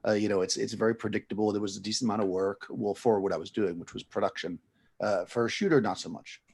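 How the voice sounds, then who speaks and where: A man hosting a casual chat as a photographer, talking in a quick, chatty way and laughing easily. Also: fairly low pitch, fairly even intonation, creaky, a little mellow, slightly rough. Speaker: photographer host.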